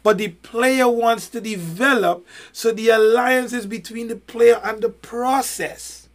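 A man co-hosting a casual podcast discussion, making emphatic points with rhetorical questions and long analogies. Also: very high voice. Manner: fills pauses with many "you know"s. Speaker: podcast co-host.

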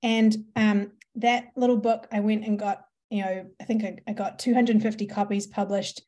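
A woman's voice: medium pitch, level tone, moderate pace, warm tone. A woman from New Zealand with a New Zealand accent, a podcast guest telling her business story in a chatty way, with frequent ums and laughs. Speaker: podcast guest, marketing entrepreneur. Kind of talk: conversational storytelling.

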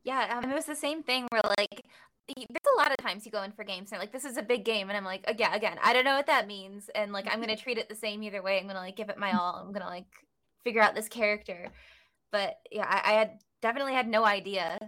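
A woman's voice: medium pitch, fast talker, sharp tone, low-quality recording. A woman voice actor on a panel, talking casually with lots of fillers. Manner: chatty, filler-heavy and enthusiastic.

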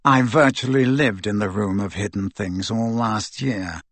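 A man's voice: mid-range voice, sing-song, measured pace, slightly rough, dry recording, heavily acted. A man voicing an arrogant, impatient teenage boy wizard with a brittle, sneering delivery in an audiobook.

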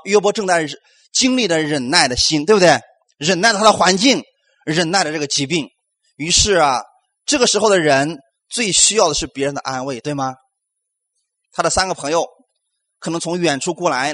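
A man delivers a sermon as pastor, his voice pitched high and swinging widely between bright peaks and low drops. He preaches with animation, briefly acting out the voices of people he quotes.

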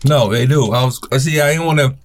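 A man's voice: mid-range voice, quick pace. A man co-hosting a podcast in casual chat, laid-back with a dry sense of humor. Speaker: podcast co-host.

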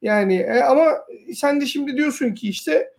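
A woman's voice: sits high, normal speed, gravelly, a little mellow. A woman co-hosting a casual talk, giving informal, sardonic commentary and explaining her points at length. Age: adult past university years. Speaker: co-host.

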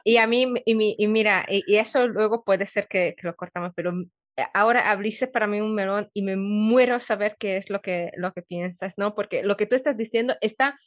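A woman's voice: medium pitch, brisk, no room sound. A woman hosts a casual podcast interview, thinking aloud as she talks. She halts and restarts often, and her voice is recorded close and dry. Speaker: podcast host.

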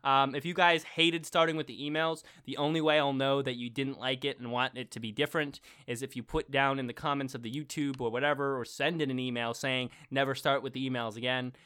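A man's voice: mid-range voice, fairly even intonation, fairly quick, hardly any pauses, sharp tone, clear, resonant tone. A young man co-hosting a podcast, reading listener emails aloud and rambling with lots of fillers, getting worked up about marble racing. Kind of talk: casual chat.

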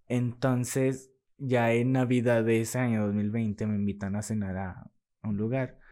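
Young man with a Mexican accent. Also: mid-range voice. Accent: Mexican Spanish. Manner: lively, acts out quoted dialogue, laughs while telling. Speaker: podcast guest, musician. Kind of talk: casual storytelling in an interview.

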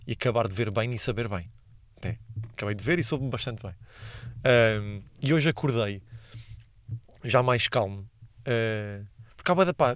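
A man's voice: mid-range voice, dry recording, clean studio sound. A young man with a European Portuguese accent hosting a casual solo podcast, slangy and rambling, laughing at his own stories. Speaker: podcast host.

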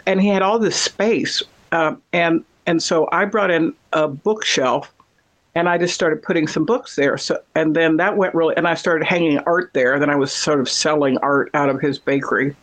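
A man's voice: on the high side, moderate pace, fairly bright tone. A man chatting casually, rambling through stories with many fillers. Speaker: conversation partner. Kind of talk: casual chat.

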